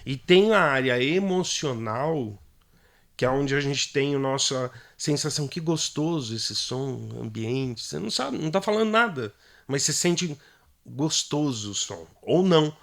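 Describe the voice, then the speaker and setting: Brazilian man, voice specialist guest, lively explainer, slightly high pitch. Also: normal speed, creaky. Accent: Brazilian Portuguese. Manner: animated, plays out voices while explaining. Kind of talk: casual podcast conversation.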